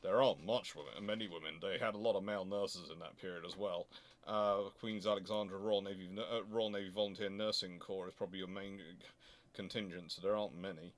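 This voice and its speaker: In a deep, steady voice, a man who runs a naval history channel answers questions on the spot at a history talk. His delivery halts as he thinks out loud, correcting and rewording himself again and again.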